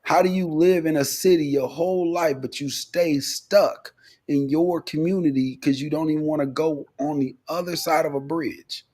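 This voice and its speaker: Fed up guy from nebraska ranting on the radio, blunt, kinda high voice. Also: fairly even intonation, normal speed, a little mellow. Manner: blunt, exasperated, opinionated. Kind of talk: casual radio chat.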